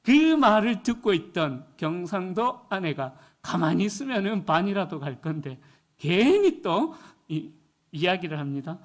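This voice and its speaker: A man's voice: high-pitched, sing-song, a little slow. A man, a pastor preaching a sermon with emphatic rhetorical questions and acted-out joke voices.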